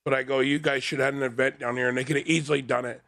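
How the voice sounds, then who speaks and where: A man's voice: medium pitch, flat delivery, rapid-fire, gravelly, fairly bright tone, no room sound. A man with a big voice speaking bluntly and heatedly as a guest on a casual sports talk panel. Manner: blunt, fired up, outspoken.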